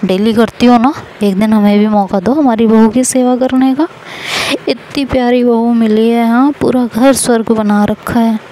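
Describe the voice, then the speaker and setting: A woman's voice: fairly high pitch, fairly even intonation, normal speed, mellow, a little hiss or hum, natural voice, low-quality recording. A woman storyteller voicing a teasing, doting middle-aged mother-in-law who scolds and then fusses. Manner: scolding then fussing, affectionate.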